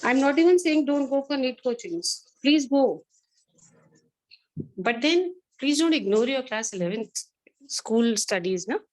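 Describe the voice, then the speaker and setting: Higher-pitched South Asian woman teacher, earnest and admonishing. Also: animated, moderate pace, low-quality recording. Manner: earnest, admonishing, maternal, repeats herself; mixes Hindi phrases into English. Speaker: biology teacher addressing an online or classroom class. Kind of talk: lecturing and counselling students.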